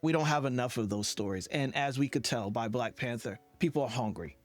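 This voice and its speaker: A man's voice: mid-range voice, expressive, brisk, soft background music. A man hosting a conversational podcast interview in an earnest, affirming manner.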